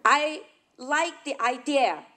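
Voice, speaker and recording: A woman's voice: high-pitched, expressive, slow pace, sharp tone. A woman who is a long-time local resident and candidate, giving a blunt, plain-spoken debate answer.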